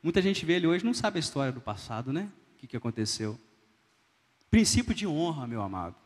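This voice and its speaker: Emphatic preacher in an echoey church. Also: male voice, mid-range voice, big pitch swings, racing. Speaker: pastor. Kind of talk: sermon.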